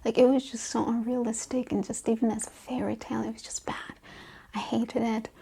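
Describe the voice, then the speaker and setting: A woman from Russia speaking softly as an ASMR host in a sassy, emphatic rant, her breathy voice often slipping into a whisper. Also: a little high, little pitch movement, a little fast. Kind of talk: softly spoken ASMR chit-chat film rant.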